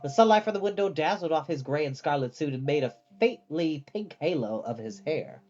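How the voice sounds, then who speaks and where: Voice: mid-range voice, lively intonation, brisk, a little mellow, dull audio. A storyteller reading a fantasy novel aloud as scripted storybook narration.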